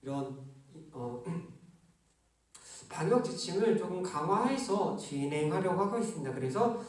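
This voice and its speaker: High-voiced masked man preaching in echoey room. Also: expressive. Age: 30s. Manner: gentle, conversational preaching with frequent pauses. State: speaking through a face mask. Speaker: youth pastor. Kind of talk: livestreamed sermon. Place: large church department office, alone. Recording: very echoey room, mic at a distance.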